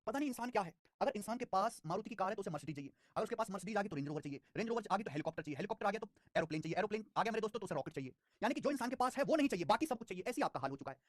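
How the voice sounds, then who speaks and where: Male math teacher, rapid-fire delivery, repeats digits, very animated pitch, dry close sound. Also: no room sound. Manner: fast, lively, repeats digits and phrases; scolds students with life advice. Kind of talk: live online math class.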